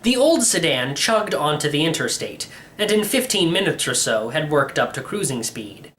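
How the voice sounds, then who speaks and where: A man reading a first-person storybook narration in an expressive, wry manner. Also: on the high side, normal speed, a little hiss or hum. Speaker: storybook reader.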